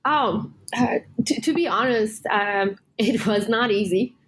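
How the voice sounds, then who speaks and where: A woman's voice: on the high side, slow, a little hiss or hum. Turkish-born woman answering with many fillers. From Turkey. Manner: hesitant, many fillers and restarts. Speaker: guest, tech executive. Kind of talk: casual interview answers.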